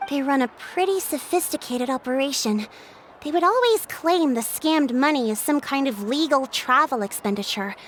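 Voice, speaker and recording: A high female voice plays a poised, courteous tribal chief in a fantasy game. She speaks with measured, formal confidence and a touch of slyness, over faint background noise. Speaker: game character, tribe chief. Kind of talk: scripted video game dialogue.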